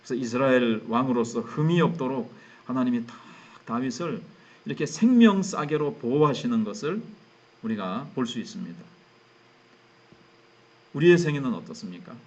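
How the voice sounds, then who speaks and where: A man's voice: medium pitch, lively intonation, normal speed, darkish tone. Middle-aged male pastor preaching conversationally. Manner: conversational, acts out biblical characters' inner thoughts. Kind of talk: expository sermon at midweek prayer service. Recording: dull lo-fi church recording.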